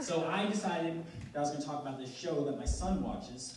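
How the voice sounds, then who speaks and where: Against noticeable background noise and audible room echo, a man talks at a fairly quick pace with ordinary pitch variation. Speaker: stand-up comedian. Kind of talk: stand-up comedy set at open mic. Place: stage.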